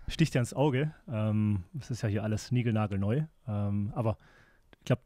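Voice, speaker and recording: A man's voice: lowish voice, moderate pace, mellow. A man hosting a casual conversational interview, curious and lightly joking with his guest. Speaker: podcast host interviewer.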